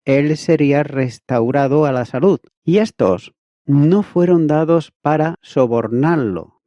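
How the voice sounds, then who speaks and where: A man reading an expository Bible commentary in a measured, methodical way, as if teaching from a prepared text. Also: medium pitch, dark tone, no room sound. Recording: dull, lo-fi, dry recording.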